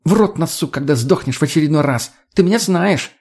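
A man's voice: on the high side, animated, brisk, darkish tone, husky, pitched above the performer's own voice. A man voicing a bossy woman who barks orders at her companions. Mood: barking. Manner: barking orders. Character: bossy commanding woman leading the group.

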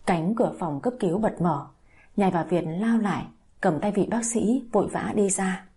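A woman's voice: mid-range voice, moderate pace, mellow, breathy edge. A woman reading a dramatic audio story, with emotive scripted narration.

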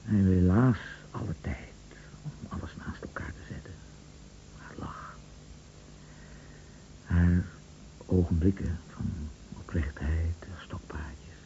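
An actor playing an anguished bedridden husband in a Dutch radio play, brooding and halting, often repeating his words and dropping to whispers. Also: sits low, dark tone, heavily acted. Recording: dull, noisy old radio recording.

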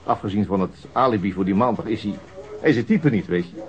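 An actor playing a calm, principled senior police detective in a radio drama, speaking in a measured, restrained and formal way. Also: male voice, lowish voice, lightly acted. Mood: businesslike, thoughtful. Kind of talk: naturalistic radio drama dialogue. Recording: dull, noisy old radio recording.

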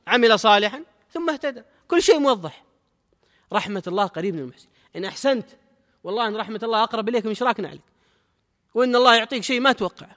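A man delivers a Quran reflection lesson, pressing his listeners with rhetorical questions. His voice is high and bright, and his delivery is fast. The sound rings with long reverb, as in a hall. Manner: earnest, exhorting, rhetorical questions. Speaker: preacher.

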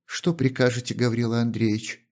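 A man voicing a timid young laundress in an audiobook, speaking quietly and submissively. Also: medium pitch, very animated, a little slow, voice pushed up. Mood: meek. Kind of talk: audiobook character reading.

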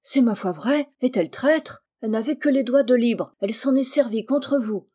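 Frank witty maid, brisk dry delivery, mellow tone; woman narrator voices her. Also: a little high, pitched above the performer's own voice, close to an everyday voice. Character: frank, sharp-witted servant woman.

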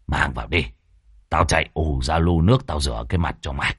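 A man voicing a grumpy bald old village man in a spoken ghost story, with a gruff, muttering manner. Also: a bass voice, brisk, a bit bright, dry recording, studio quality, voice pushed down, heavily acted.

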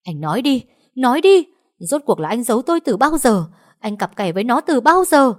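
A woman voicing a betrayed young wife in an audio story, bitter and often shouting. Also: lowish voice, lively intonation, moderate pace, lightly acted.

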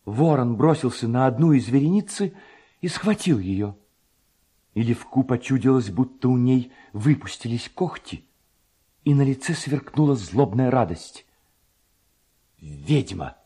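A man narrating a literary tale in an expressive, poetic, dramatic storytelling style. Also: medium pitch, a little slow, breathy edge.

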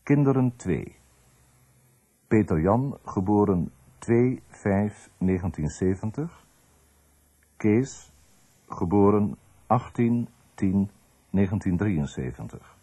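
Male radio presenter, low dark voice, terse scripted delivery with pauses between items. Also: expressive, breathy edge, dry recording. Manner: terse, pausing between item and answer. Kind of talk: scripted narration, clipped list of facts.

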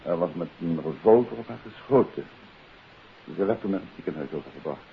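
An actor playing a shrewd, courteous detective in a 1950s Dutch radio play, measured and probing. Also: male voice, sits low, animated, gravelly. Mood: composed. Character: shrewd male amateur detective, composed and probing. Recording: muffled, hissy old radio recording.

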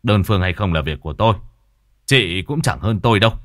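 A man's voice: medium pitch, big pitch swings, brisk, fairly bright tone, no echo, studio quality, pitched above the performer's own voice. A man doing a curt, reproachful young actor. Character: blunt young male opera actor, protective.

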